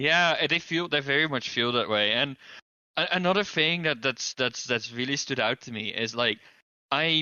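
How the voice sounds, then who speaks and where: A man with a Dutch accent, fairly high in pitch, at a moderate pace with ordinary pitch variation. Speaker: podcast co-host. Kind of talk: casual chat.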